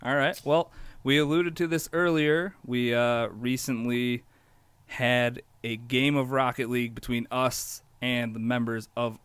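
A male podcast host chatting casually about games. His voice is smooth and clear. He jokes around and laughs easily. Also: medium pitch, fairly bright tone, no room sound. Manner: laughs often, chatty and joking. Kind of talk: casual gaming podcast chat.

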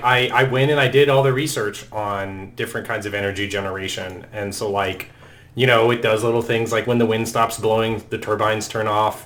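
Chatty low-voiced man, a Norwegian native speaker. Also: fairly bright tone. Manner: chatty, peppered with "like". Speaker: game developer guest. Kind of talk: casual podcast chat. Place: Texas.

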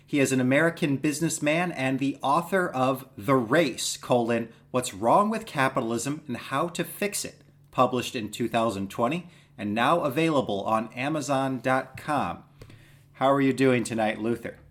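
A man's voice: mid-range voice, normal speed, a bit bright. A man hosting a podcast interview, greeting his guest and asking friendly, rambling questions. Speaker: podcast host.

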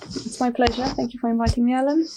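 A woman from Romania, a medical herbalist guest speaking softly and thoughtfully in a podcast interview. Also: a little high, steady tone, fast talker, slight background noise, poor audio. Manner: soft-spoken, thoughtful, many you knows. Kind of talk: casual interview.

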